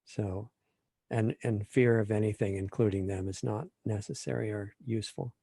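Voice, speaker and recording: A man with a fairly low, warm, mellow voice talks slowly and thoughtfully as a guest in an interview on spiritual matters. His delivery is calm and measured, and the recording is dry with no room sound. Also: vocal fry, dry recording.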